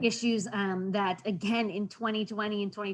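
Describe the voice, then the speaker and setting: At a moderate pace, a woman with a Spanish accent talks at medium pitch in a monotone with flat intonation. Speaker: state senator. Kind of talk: interview. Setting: video call.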